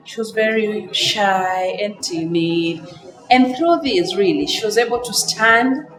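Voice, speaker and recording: A woman sharing a personal account in a documentary interview. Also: mid-range voice. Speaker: facilitator and former candidate. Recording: echoey room, clear music behind. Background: background music.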